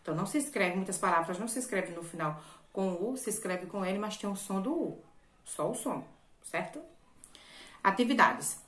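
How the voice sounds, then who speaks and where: A woman's voice: medium pitch, lively intonation, moderate pace, a bit bright, roomy sound. A woman teacher from Brazil, patiently explaining a lesson to children and often checking in with them. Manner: patient, repetitive, checks in with "certo?". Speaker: primary school teacher. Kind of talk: recorded remote lesson for children.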